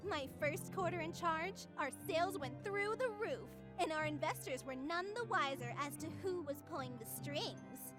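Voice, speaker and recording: A woman's voice: high-pitched, expressive, moderate pace, few pauses, music in the background. A woman voicing a cheerful, smug young female AI who narrates a horror visual novel in a playful, conversational way. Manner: playful, self-satisfied, conversational. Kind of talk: scripted first-person game narration.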